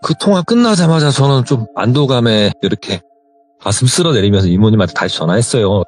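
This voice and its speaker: A man's voice: medium pitch, a little fast, faint music behind. A young man telling a true story in a phone interview, acting out the dialogue as he goes. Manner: animated retelling, quoting others in dialogue.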